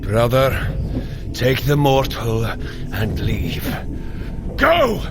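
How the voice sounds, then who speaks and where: An actor playing a proud, wrathful thunder god who declaims in grand, archaic speech in a fantasy audio drama. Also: male voice, mid-range voice, huge pitch swings, very slow, full character voice. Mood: urgent alarm. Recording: dramatic music behind.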